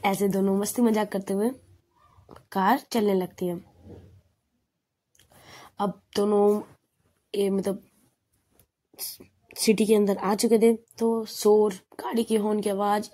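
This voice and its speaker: Brief: chatty woman storyteller, rambling delivery, husky tone. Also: medium pitch, steady tone, slow pace, long pauses, warm tone. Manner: chatty, rambling, frequent restarts. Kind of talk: casual spoken storytelling.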